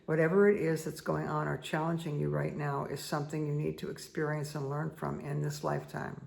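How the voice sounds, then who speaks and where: Hoarse middle-aged woman, heavy vocal fry, slow repetitive spiritual card-reading delivery. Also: deep voice, little pitch movement, darkish tone, slight background noise. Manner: slow, soothing, repetitive guidance with asides. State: hoarse, croaky voice. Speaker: spiritual reader and meditation guide. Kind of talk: casual spoken card reading.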